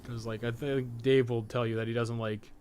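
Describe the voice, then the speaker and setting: A man's voice: mid-range voice, level tone, moderate pace, darkish tone. A man giving casual live gameplay commentary as a streamer, rambling and thinking aloud with frequent swearing. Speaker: video game streamer and guide writer. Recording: clearly noisy background.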